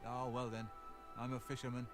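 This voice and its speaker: An actor playing a gruff, weary old fisherman who grumbles bitterly in scripted video game dialogue. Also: mid-range voice, completely flat delivery, fairly quick, natural voice. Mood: aggrieved. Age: older. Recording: loud music over the voice.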